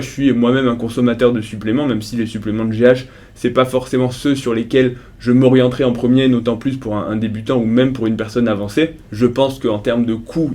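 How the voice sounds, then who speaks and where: A man's voice: mid-range voice, a little mellow. Middle-aged male video host, mid-range voice, casual and sardonic, critiquing a product. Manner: conversational, ironic, critical. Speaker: fitness YouTuber.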